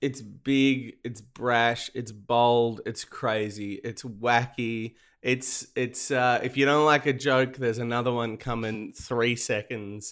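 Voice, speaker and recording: A man with an Australian accent speaks very slowly at a medium pitch, in a flat monotone, with hardly any pauses. The recording is very clean, with a silent background. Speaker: comedian. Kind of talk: casual interview.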